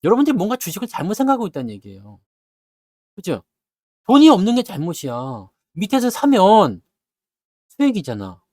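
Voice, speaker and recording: A man giving casual stock market talk, scolding his viewers with blunt rhetorical questions and acting out their grumbling in quick asides. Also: sits high, wildly swooping pitch, darkish tone, no echo, studio quality.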